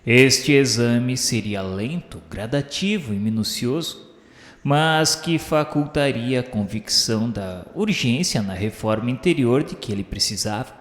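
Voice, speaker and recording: A man's voice: mid-range voice, lively intonation, measured pace. A man narrating a radio drama from a script in a solemn, formal, literary manner. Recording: echoing, reverberant hall sound with music. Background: background music.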